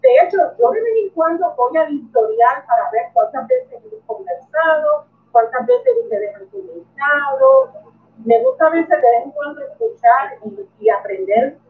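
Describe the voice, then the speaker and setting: A woman's voice: sits high, sing-song, moderate pace. Chatty Puerto Rican woman on webcam. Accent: Puerto Rican Spanish. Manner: chatty, greets viewers by name, answers questions. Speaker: coin collecting youtuber. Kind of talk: live stream chat reading comments. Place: bedroom at home. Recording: tinny, distant webcam sound.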